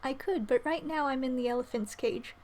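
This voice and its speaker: A woman streaming a game, commenting casually and reading the dialogue aloud in an animated way. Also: high voice, fairly quick. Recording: slight background noise.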